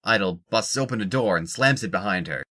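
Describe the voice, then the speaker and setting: Low-voiced male narrator. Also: expressive, a little fast, bright, forceful tone. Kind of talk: scripted audio drama narration.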